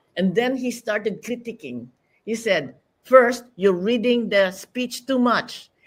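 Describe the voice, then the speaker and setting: Her pitch fairly high, a woman speaks in a Filipino accent with ordinary pitch variation. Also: fairly slow pace. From Philippines. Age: 80s+. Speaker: business executive. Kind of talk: interview.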